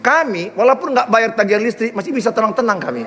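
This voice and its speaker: A man's voice: high-pitched, fast talker, big-room sound, background noise. A middle-aged man preaching a sermon, telling stories with humor. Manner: animated, humorous storytelling. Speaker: pastor. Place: large church hall.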